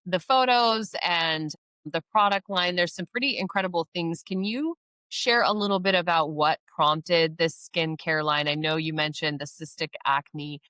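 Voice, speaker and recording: Lower-voiced woman podcast host. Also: a little slow, sharp tone, clear, resonant tone, dry recording. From California. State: recovering from a cold. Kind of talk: casual interview chat.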